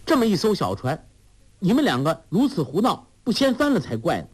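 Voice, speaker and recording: A man voicing a clever, sharp-tongued young woman in a raised, quick, scolding voice. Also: high-pitched, huge pitch swings, husky, voice pushed up, heavily acted.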